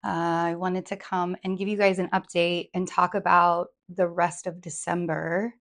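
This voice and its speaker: Woman, hoarse, froggy rasp, slightly low pitch, rambling casual talk, lots of fillers. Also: flat delivery, normal speed, fairly bright tone. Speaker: tarot reader and vlogger. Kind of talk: casual update to viewers. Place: home in New York.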